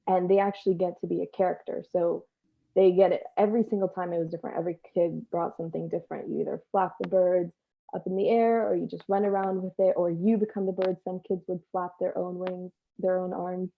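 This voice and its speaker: A woman's voice: fairly low pitch, little pitch movement, a little fast, gravelly. A woman chatting casually as an interview guest, heard through tinny, narrow call audio. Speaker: stage actor, panel guest.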